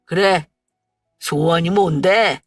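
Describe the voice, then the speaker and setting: A woman's voice: fairly low pitch, slow pace, no echo. A woman voicing a hot-tempered older husband who barks and scolds but means well. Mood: scolding. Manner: barking, scolding, then soothing. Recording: dry, far from mic, faint music.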